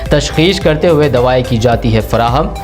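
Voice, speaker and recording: A man's voice: medium pitch, lively intonation, normal speed, a little mellow. A man reading scripted promotional narration as an advert voice-over announcer. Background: music.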